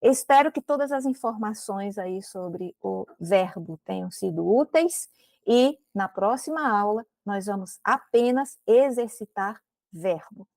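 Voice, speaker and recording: A woman's voice: mid-range voice, expressive, a little slow, vocal fry, darkish tone, dry recording. A woman teacher with a Brazilian Portuguese accent, giving a recorded grammar lesson and explaining step by step, often checking with "né?" and "ok?".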